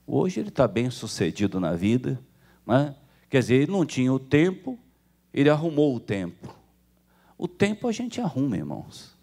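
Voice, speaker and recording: A man with a Brazilian Portuguese accent preaching a sermon, his pitch rising and falling in wide, animated swings. He slips into the voices of the people in his stories, then drops back to a plain middle-pitched delivery. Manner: animated, acts out quoted people with jumps in pitch. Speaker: pastor.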